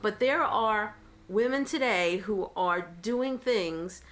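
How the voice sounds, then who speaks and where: A woman co-hosting a Christian podcast, chatting casually about listener mail and Bible women, animated and quick to laugh. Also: medium pitch. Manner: animated, laughs often, earnest preaching tone at times. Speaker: podcast co-host.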